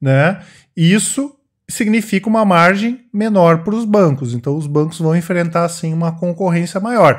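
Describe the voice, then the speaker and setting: On a very clean recording with a silent background, a man with a high pitch speaks at a fairly slow pace, using ordinary pitch variation. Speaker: investment channel presenter. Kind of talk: educational video monologue. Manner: stammering.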